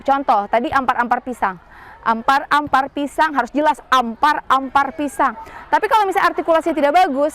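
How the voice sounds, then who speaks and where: Brief: young female music teacher, Banjar-tinged accent, high bright pitch, patient and explanatory, outdoors at school. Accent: Banjar-inflected Indonesian. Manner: patient, explains step by step with rhetorical questions. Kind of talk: outdoor singing lesson to students.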